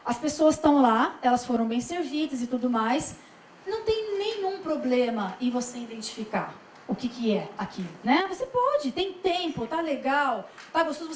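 A woman's voice: high-pitched, big pitch swings, normal speed. A woman from Brazil leading a customer service workshop, coaxing the group along and acting out sample lines. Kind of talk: interactive training talk. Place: event room at a forum. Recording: echoey room, mic at a distance, background noise.

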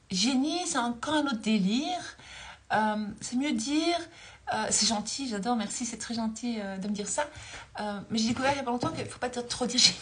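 A woman's voice: a little high, fairly bright tone. A woman in her forties talking casually as a spiritual coach on a livestream, recorded on a phone held close in a dim room. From Belgium. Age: 40s. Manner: chatty, laughs often, reads viewer comments aloud.

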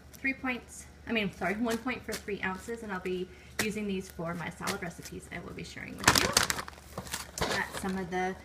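A woman's voice: medium pitch, noisy background. Chatty woman with crinkling bags. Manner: chatty, lists items and point values, self-corrects. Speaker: vlogger. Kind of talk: casual grocery haul show-and-tell. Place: home kitchen table. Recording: loud crinkling bags near the mic.

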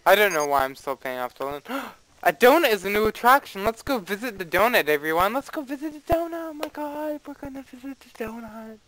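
A man's voice: high-pitched, lively intonation, a little fast, bright, forceful tone, low-quality recording. A young man casually commenting on his own gameplay, rambling and playfully dramatic, with a desktop mic and faint background noise. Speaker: let's play host.

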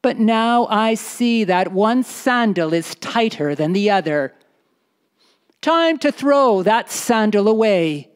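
A proud, poor desert nomad husband, as a woman storyteller plays him. He declaims emphatically in a raised, high voice, slowly and deliberately. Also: expressive, smooth. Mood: cold.

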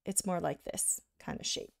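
A woman giving a live drawing lesson, talking casually while she sketches and often checking in with "right?", a little hoarse from being sick. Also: moderate pace, dry recording, clean studio sound. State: slightly hoarse from illness. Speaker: art instructor.

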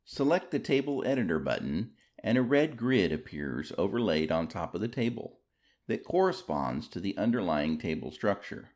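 A man's voice: low-pitched, sing-song, moderate pace, a little mellow. A man reading scripted step-by-step instructions as a tutorial narrator.

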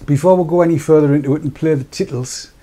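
An older man hosting a casual studio chat, croaky after dental work, jokey and rambling. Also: a little high, quick pace, warm tone. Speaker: host. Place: small studio with dark backdrop. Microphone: lapel.

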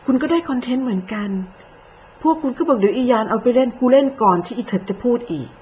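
A woman's voice: fairly high pitch, expressive, fast talker, a little mellow. Woman, commentator, accusing, cutting, polite-to-crude scolding, slightly muffled audio, faint noise behind. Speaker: online commentator.

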